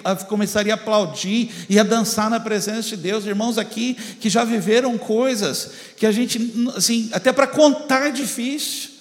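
A pastor telling a story in a sermon, acting out the voices and building up to shouts. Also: male voice, high-pitched. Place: church. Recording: long church reverb.

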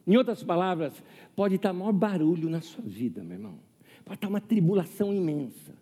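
A man's voice: high voice, animated, brisk, warm tone, breathy edge, long reverb tail. A man in his fifties preaching a sermon, chatty and humorous, often asking the audience questions and telling a personal story. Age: 50s. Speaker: pastor.

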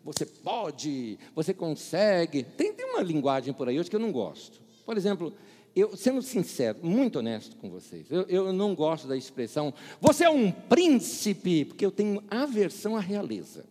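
A man's voice: high voice, wildly swooping pitch, a little fast, warm tone, husky, long reverb tail. A middle-aged man from Brazil preaching a sermon, telling funny stories, acting out the dialogue and laughing at his own jokes. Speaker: pastor. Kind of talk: sermon with humorous anecdotes.

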